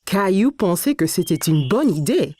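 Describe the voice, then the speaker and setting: A woman's voice: fairly low pitch, big pitch swings, normal speed, mellow, husky. A woman narrator reading a scripted children's story expressively, as if to small children.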